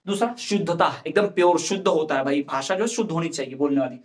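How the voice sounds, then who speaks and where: A man with a rather high voice teaches an exam-preparation class. He explains each point patiently, works through examples and repeats the key terms so students can follow. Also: fast. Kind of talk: exam-prep lecture.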